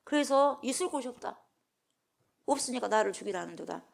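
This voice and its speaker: A woman's voice: fairly high pitch, animated, fairly quick, gravelly. A middle-aged woman pastor preaching at a dawn prayer service. She speaks with emphasis, puts questions to the congregation and answers them herself, and raises her voice when she acts out the speakers in scripture.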